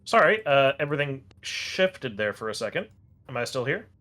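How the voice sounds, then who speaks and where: Man of medium pitch playing along. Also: big pitch swings, normal speed, bright, forceful tone. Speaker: tabletop game player. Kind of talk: casual game chat.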